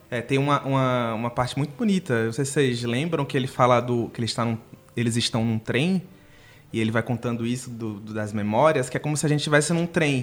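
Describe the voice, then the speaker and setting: A man rattles along at a very fast pace in a Pernambuco accent. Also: medium pitch for a man, ordinary pitch variation. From Recife, Pernambuco, Brazil. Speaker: journalist. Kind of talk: casual chat.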